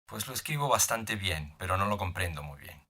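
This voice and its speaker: A man reading simple scripted dialogue for a beginner language lesson, slow and clear. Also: deep voice, lively intonation, sharp tone.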